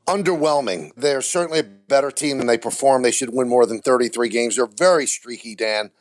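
A baseball TV play-by-play announcer appears as an interview guest, speaking candidly and bluntly and reaching for vivid comparisons. His voice is mid-range and he talks fairly quickly.

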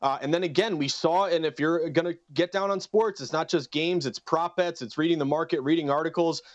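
A fast-talking man with a slight Boston accent, his voice sitting a bit high. He rattles through odds and figures briskly, heard over a dry, dull-sounding remote line. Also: dry recording. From western Massachusetts. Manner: brisk, number-heavy, upbeat. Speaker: sports betting analyst guest. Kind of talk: rapid betting rundown.

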